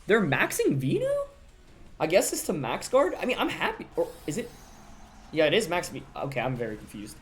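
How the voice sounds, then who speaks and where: A young man narrates his own competitive match, thinking aloud and questioning each move. His voice jumps around with lively pitch. Quiet background music sits under his desk-mic commentary. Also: moderate pace. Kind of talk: live gameplay commentary.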